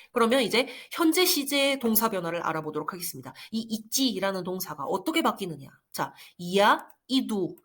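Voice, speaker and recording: Lively woman teaching grammar. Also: medium pitch. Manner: patient, checks in often with rhetorical questions. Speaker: Russian language teacher. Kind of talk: online grammar lesson.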